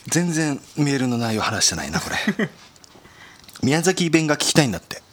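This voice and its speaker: A husky-voiced male podcast host. His pitch swings widely as he jokes about himself in loose, easy chat. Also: sing-song, a little fast. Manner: joking, self-mocking, laughs often. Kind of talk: casual chat.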